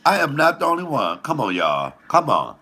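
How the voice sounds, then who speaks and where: A man with a deep voice telling a profane, animated comic story in casual storytelling style, laughing at his own jokes. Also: moderate pace. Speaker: comedian host.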